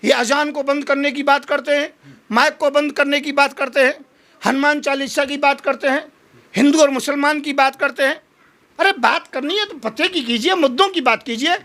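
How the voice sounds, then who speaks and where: A man's voice: very high voice, steady tone, normal speed, bright, forceful tone. A man giving an impassioned political interview, speaking in combative, emphatic oratory full of rhetorical challenges.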